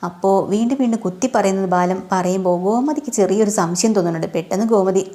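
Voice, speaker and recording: Fast-talking woman recapping a serial. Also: mid-range voice, warm tone. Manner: chatty, addressing listeners directly. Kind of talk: casual retelling of a TV serial.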